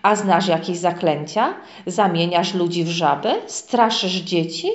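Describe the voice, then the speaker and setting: A woman's voice: fairly low pitch, a little slow, natural voice. A woman voicing a small, shy grey house, a polite and timid male character in a storybook. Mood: anxious. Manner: polite, anxious questions. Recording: echoey, dull lo-fi room.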